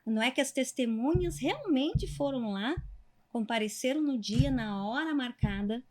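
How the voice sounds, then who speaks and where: A woman with a fairly high voice tells a story from her legal work in a conversation. She speaks in measured phrases, pauses to find her words and keeps checking in with the listener. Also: expressive, a little mellow. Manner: measured, hesitant phrasing with frequent "né?". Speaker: lawyer.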